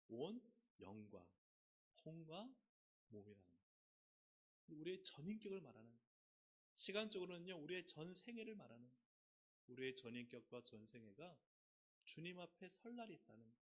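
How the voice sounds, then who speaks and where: A man preaching from the pulpit of a church, his voice at an ordinary middle pitch. He asks the congregation questions and leads them in reading scripture aloud, swinging between loud emphatic peaks and soft asides. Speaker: pastor. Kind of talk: sermon. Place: church sanctuary.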